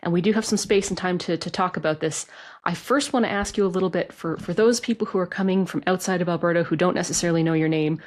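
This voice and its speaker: A woman's voice: lowish voice, quick pace, a little mellow. A woman hosting an interview, asking questions in a casual, conversational way with some restarts. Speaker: podcast host.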